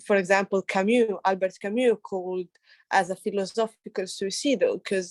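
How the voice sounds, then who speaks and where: A woman with an Italian accent talks at medium pitch with ordinary pitch variation, the sound dry and close with no echo on a very clean recording with a silent background. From Italy. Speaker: participant in a spiritual discussion group. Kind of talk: group discussion. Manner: halting, many fillers.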